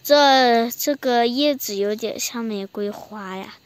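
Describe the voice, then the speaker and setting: A woman chatting outdoors in a rural yard, excited and full of exclamations. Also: on the high side, slow, smooth. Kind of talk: casual chat.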